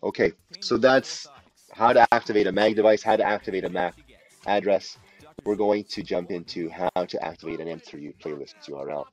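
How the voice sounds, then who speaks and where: Deep-voiced man giving a software tutorial. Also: low-quality recording. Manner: deliberate, instructional, explains step by step. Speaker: tutorial presenter. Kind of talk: unscripted step-by-step software walkthrough. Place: voice-over for a screen recording.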